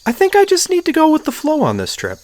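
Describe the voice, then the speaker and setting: A man's voice: very high voice, huge pitch swings, fast talker, darkish tone, full character voice. A man playing a bewildered, dry tourist in an audio drama, incredulous at everything around him. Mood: baffled. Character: bewildered deadpan adult man, straight-man tourist. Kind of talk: fan audio drama acting.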